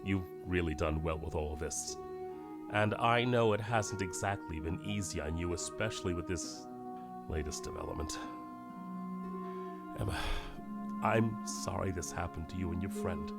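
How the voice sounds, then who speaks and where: A man's voice: sits low, normal speed, loud music behind the voice. A man playing an anxious, protective middle-aged scientist father in an audio drama, speaking hesitantly, carefully and earnestly. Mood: gentle, apologetic.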